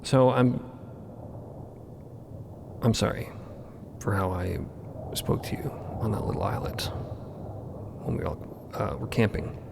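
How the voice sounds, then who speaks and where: A man's voice: lowish voice, gravelly, voice pushed down, heavily acted. Man voicing a blunt, awkward woman crew member over noise. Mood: awkward, apologetic. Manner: halting, blunt, sweary. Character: gruff, short-tempered, awkward adult woman crew member. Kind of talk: audio fiction dialogue.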